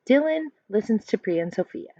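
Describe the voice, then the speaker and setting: A woman in her thirties reading a children's book aloud like a teacher, expressive and instructive, pausing to explain. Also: fairly high pitch, no echo. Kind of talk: read-aloud storytelling with explanations. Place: small furnished room indoors at home. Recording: dull lo-fi webcam sound.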